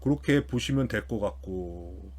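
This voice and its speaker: A man's voice: lowish voice, animated, measured pace, darkish tone. A man giving casual explanatory financial commentary as an online host, informally thinking aloud as he works through figures. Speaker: YouTube host commenting on company earnings.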